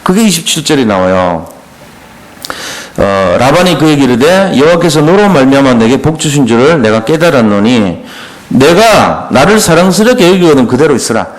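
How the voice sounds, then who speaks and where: A man's voice: mid-range voice, very animated, moderate pace. A man preaching a sermon, retelling scripture in plain everyday speech and asking the congregation questions. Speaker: pastor.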